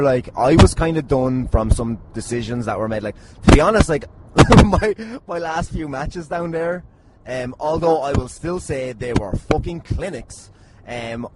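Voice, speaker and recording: An Irish man hosting a podcast with casual, jokey, teasing chat and some swearing. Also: mid-range voice. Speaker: podcast host. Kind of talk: casual comic banter. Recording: very noisy, slightly distant at times.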